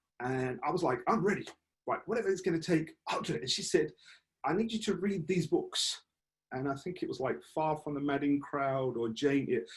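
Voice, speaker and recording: With an East London accent, a man speaks at a moderate pace. His pitch is fairly high and his intonation lively. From East London, England. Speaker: professional public speaker. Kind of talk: interview. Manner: animated.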